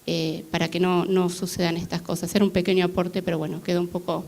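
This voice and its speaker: A woman's voice: lowish voice, flat delivery, quick pace, vocal fry, a little mellow. Woman at a law talk q&a, hesitant, eh eh, mic passed around the hall. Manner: hesitant, many filler "eh"s and restarts. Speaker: audience member commenting. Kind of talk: public Q&A comment. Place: university lecture hall.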